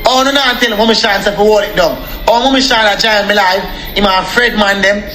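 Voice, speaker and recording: A young Jamaican man rants to his live-stream viewers in a high, sharp voice, circling back to the same points over and over. The sound rings in an echoey room, with faint music underneath. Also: fast. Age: young adult. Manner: repetitive, addresses viewers as people. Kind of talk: angry live-stream rant.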